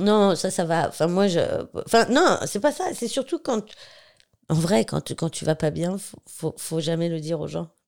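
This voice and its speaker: A woman's fairly low voice, lively in intonation, at a fairly slow pace. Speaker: comedian. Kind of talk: casual chat.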